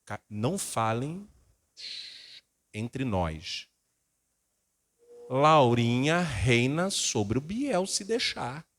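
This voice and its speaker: A middle-aged male pastor preaching a sermon, acting out family members' voices in lively bursts. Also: medium pitch, extremely slow, long pauses, slight background noise.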